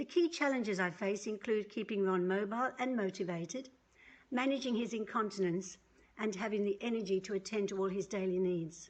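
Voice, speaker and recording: A woman's medium-pitched voice shows ordinary pitch variation as she talks at a fairly quick pace. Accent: Australian. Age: 60s. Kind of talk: prepared personal testimony read aloud. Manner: measured, formal.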